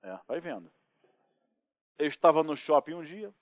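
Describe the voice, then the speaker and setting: A man with a Brazilian accent lecturing on criminal law, lively and joking, acting out anecdotes and asking rhetorical questions in a recorded course. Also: on the high side, normal speed, no room sound, lo-fi sound. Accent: Brazilian Portuguese.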